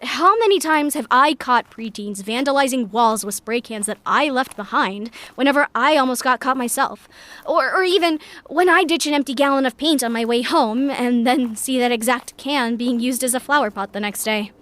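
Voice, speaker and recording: A woman playing a reflective, wry, warm-hearted young scavenger in a sci-fi audio drama, speaking a conversational monologue as if recording a message. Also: sits high, normal speed.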